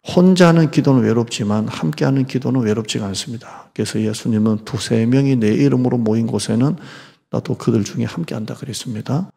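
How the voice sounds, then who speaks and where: Gravelly preaching man in a reverberant church. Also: mid-range voice. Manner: dramatic, swings from hushed to loud, acts out mocking enemies. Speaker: pastor. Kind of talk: sermon. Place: church sanctuary. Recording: church hall with long reverb.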